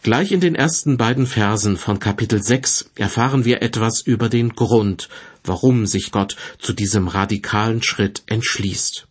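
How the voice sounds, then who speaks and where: A man with a fairly low, husky voice presents a scripted devotional. His delivery is formal and didactic, read aloud in measured phrases like a Bible teacher addressing listeners.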